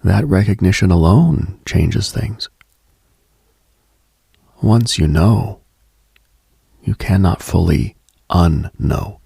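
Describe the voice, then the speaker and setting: A man hosting a late-night radio show, giving a slow, contemplative monologue with halting pauses in a husky, gravelly voice, close on the mic. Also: sits low, expressive, warm tone, dry recording. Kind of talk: reflective late-night spiritual monologue, ASMR-like.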